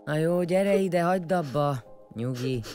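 An actress playing a middle-aged, foul-mouthed tribal warrior leader in an audio drama, blunt, scornful and commanding. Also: female voice, low-pitched, dark tone, soft background music, lightly acted. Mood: grudgingly kind.

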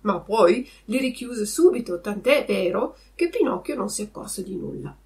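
A woman narrating a children's classic in a clear, measured read-aloud style as a podcast host. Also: medium pitch, animated, darkish tone.

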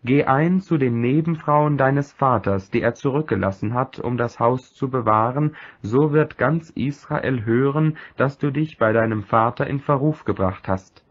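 A man's voice: medium pitch, a little slow, hardly any pauses, natural voice. A man reading the lines of a cunning royal adviser in a calculating, matter-of-fact way. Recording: dull lo-fi recording.

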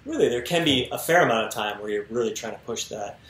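A man's voice: mid-range voice, lively intonation, quick pace, fairly bright tone. A man in his thirties co-hosting a fitness podcast, talking earnestly and swearing casually, speaking through an earbud mic on a video call from home. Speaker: podcast co-host. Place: home room with bookshelves, indoors. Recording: echoey room.

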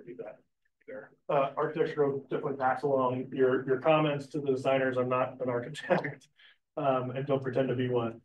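Man presenting for a developer, casual and filler-heavy; muffled, distant, echoey recording. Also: mid-range voice. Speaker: developer representative. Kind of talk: answering public questions.

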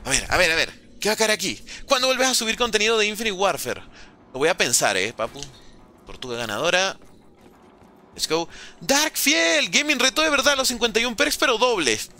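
A man with a Venezuelan accent and a very bright, sharp voice. His pitch is a bit high and jumps all over as he streams a game live. He chats with viewers and reacts quickly. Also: a little hiss or hum. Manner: lively, banters with chat, talks fast in bursts. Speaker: gaming streamer. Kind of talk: live gameplay commentary reading chat.

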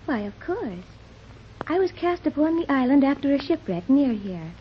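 A formal, oddly detached teenage girl raised on a strange island, in an old radio serial. Her voice is high and lively, her phrasing precise and proper. The recording is dull with a faint hiss. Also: normal speed. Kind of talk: 1930s radio drama acting.

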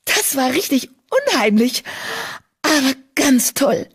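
Woman voicing a bright-voiced young cat apprentice, eager, high, breathy, storybook. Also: lively intonation, measured pace. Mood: eager, worried. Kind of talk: audiobook character voice.

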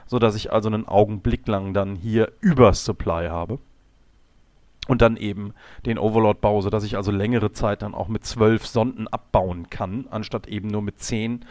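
A man with a slight cold and a slightly hoarse voice, explaining a game replay calmly, often pausing on fillers and correcting himself. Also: on the low side, no room sound. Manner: calm, explanatory, with frequent fillers and self-corrections. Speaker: game coach. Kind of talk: instructional commentary over a game replay.

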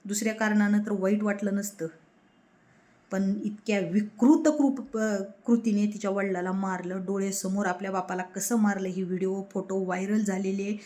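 A woman's voice: medium pitch, fairly even intonation, normal speed, dark tone. A woman delivering a heated political rant to camera, firing rhetorical questions and repeating her points. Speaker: political commentator.

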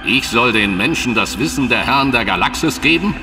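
A metallic, toneless alien translator voice. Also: male voice, mid-range voice, animated. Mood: scornful. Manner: slow, haughty, contemptuous. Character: hostile ancient alien creature, proud and scornful. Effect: toneless metallic voice of a mechanical translator. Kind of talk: audio drama acting. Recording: echoing studio audio drama over music.

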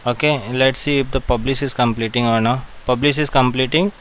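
A man with an Indian accent narrating a step-by-step software tutorial in short, repeated directions. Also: medium pitch, fairly even intonation, a little fast, a little hiss or hum, poor audio.

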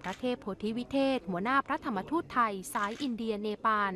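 A woman reporter voicing a formal, scripted news report over field footage. Her voice sits fairly high, and she reads in a measured, even way. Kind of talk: scripted royal news narration.

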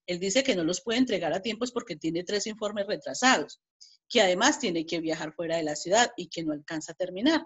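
The recording is muffled, and the woman's lowish voice is animated and brisk with a breathy edge. Speaking with a Colombian Spanish accent, she teaches an online class step by step, restarting often, repeating words and emphatically reading example dialogues.

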